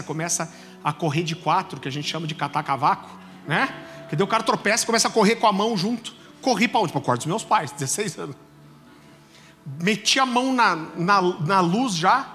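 A Brazilian man preaching a sermon in church, telling a personal story in a lively way and often calling the listeners "brother". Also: high voice, a little fast, faint music behind. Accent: Brazilian Portuguese. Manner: animated storytelling, addresses listeners as "irmão". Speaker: pastor. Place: church service.

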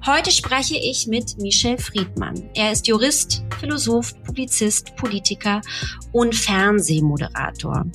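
A woman's voice: on the high side, measured pace, over music. A woman hosting a podcast, reading a prepared introduction and then asking interview questions. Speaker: podcast host.

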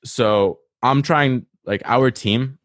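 Speaking slowly at a medium pitch, a man with a Rhode Island accent chats on a podcast with no echo in the recording. He's talkative and enthusiastic, going on at length and often interrupting himself to start his sentences again.

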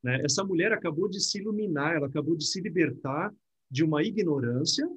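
A man's voice: on the high side, animated, a little fast, breathy edge. A man who hosts the talk as a Buddhist teacher, explaining ideas reflectively and often closing his points with tag questions. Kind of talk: reflective conversation.

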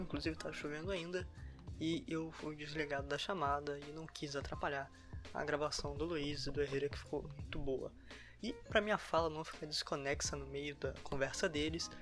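A man's voice: fairly high pitch, a bit bright. A Brazilian man giving casual solo commentary for a podcast, speaking informally. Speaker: podcast co-host. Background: background music.

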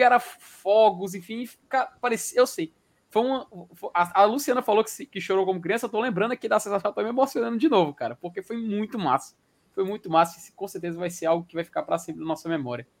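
Excitable man. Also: high voice, quick pace. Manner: excitable, slangy, full of fillers. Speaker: live show host. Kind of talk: casual live-stream chat reading viewer comments.

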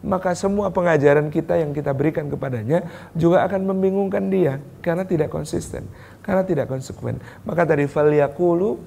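A man from Yogyakarta preaches on parenting to an audience in a hotel function room, with a somewhat high voice. He talks in a lively way and slips into short parent and child exchanges. His voice rings with a long hall echo. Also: gravelly, slight background noise. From Yogyakarta, Indonesia. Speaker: Islamic preacher. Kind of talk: religious parenting talk to an audience. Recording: echoey hall sound.

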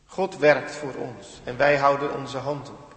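A man preaching a sermon with earnest emphasis, rising to emphatic peaks and dropping quiet again. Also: medium pitch, steady tone, a little slow. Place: church. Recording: echoey church hall with long reverb.

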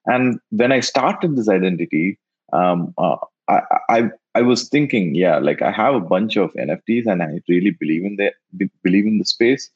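A man whose first language is Tamil, answering interview questions in a halting way and often repeating words as he thinks. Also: low voice, expressive, husky. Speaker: guest, NFT investor. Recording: dull lo-fi sound.

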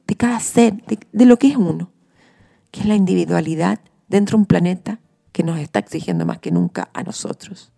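A woman, a writer hosting her own show, reflecting calmly and speaking straight to her listeners. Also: medium pitch, creaky. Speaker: writer and podcast host. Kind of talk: reflective spoken monologue.

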